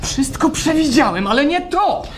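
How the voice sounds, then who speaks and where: An actor playing a fussy, obsessive doctor in a live radio play, theatrical, exclamatory and pedantic. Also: male voice, very high-pitched, expressive, normal speed, a crowd in the background. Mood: indignant. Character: excitable, fussy, obsessive male doctor-experimenter. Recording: live stage recording with background noise.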